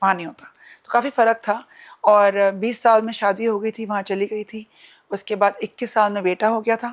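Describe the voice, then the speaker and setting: A woman speaks at a moderate pace with a fairly high pitch and monotone, flat intonation. Her loudness swings widely. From India, Delhi. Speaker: interview guest. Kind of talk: interview conversation. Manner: halting, many fillers.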